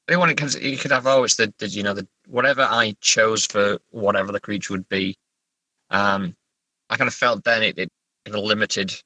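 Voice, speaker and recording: Speaking with a sharp tone at a fairly low pitch, a middle-aged man chats informally as a guest writer about his own story. He stammers often and comes across as hesitant and self-deprecating. It's a dry, rough recording.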